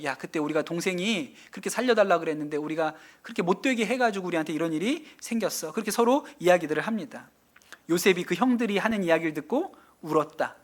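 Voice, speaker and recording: A man's voice: sits high, fairly bright tone. A middle-aged man preaching a Sunday sermon as pastor in a church, telling the story and putting questions to the congregation. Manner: storytelling preacher, asking the congregation questions and acting out quoted lines. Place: church sanctuary.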